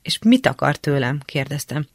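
A woman reads a first-person memoir aloud in a calm, measured way. Her voice carries a gravelly, creaky edge. The sound is dry and close, with no room around it. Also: rumbling low, no room sound. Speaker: reader.

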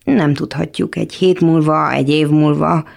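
A woman reading the part of a slightly mad male doctor who speaks slowly and softly coaxes. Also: sits low, steady tone, vocal fry. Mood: soothing.

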